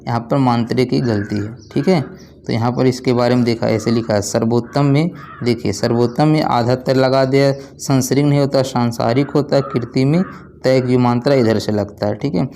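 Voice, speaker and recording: A young man runs an online exam-prep lesson on spelling, using a repetitive call-and-response style where he asks questions and supplies the answers. His medium-pitched voice is gravelly and warm, steady in tone at a moderate pace, with a little hiss or hum in the recording.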